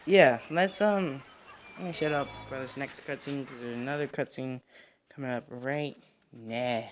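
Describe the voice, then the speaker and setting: A man's voice: medium pitch, measured pace, noisy background. A young man giving casual, rambling gameplay commentary, informal and reminiscing as a let's play host. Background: game music.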